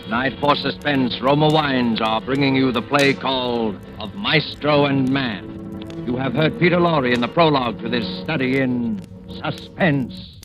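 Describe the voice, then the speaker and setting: A man making formal announcements for a 1940s radio drama program, measured and stately. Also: medium pitch, rough recording. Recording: vintage radio broadcast over music. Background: music.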